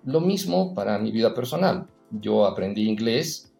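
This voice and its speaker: A man, a native Spanish speaker, speaking as a podcast guest in a relaxed conversation, telling stories reflectively and often tagging his sentences with a questioning "no". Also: on the low side, moderate pace, creaky, reverberant, faint music behind. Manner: reflective, storytelling, frequent "¿no?" tags. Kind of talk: casual interview conversation.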